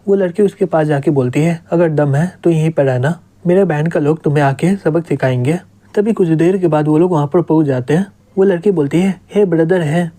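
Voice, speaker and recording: A young man narrating a manga story recap, reading out every character's lines in the same steady voice. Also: on the high side.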